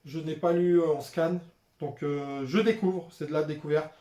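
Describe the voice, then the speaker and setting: A young man talks casually to his viewers in a fairly high, mellow voice, filling pauses with hesitations. The room rings with a noticeable echo. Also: steady tone. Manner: chatty, with frequent "euh" and "voilà" fillers. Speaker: manga vlogger showing his purchases. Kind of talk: casual unscripted vlog chat. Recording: roomy echoey room.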